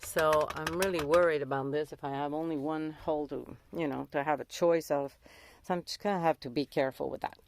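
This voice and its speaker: A woman's voice: deep voice, fairly even intonation, fairly quick. A woman from Montreal with a Québécois French accent, a native French speaker, chatting casually as a vlogger and often searching for words and rephrasing. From Montreal, Canada. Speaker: vlogger documenting a van build. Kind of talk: casual vlog chat.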